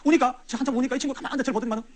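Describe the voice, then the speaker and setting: A man, a church elder telling a testimony to his audience in an animated, conversational way that swings from loud to hushed. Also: very high voice, racing, slight background noise. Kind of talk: storytelling testimony sermon.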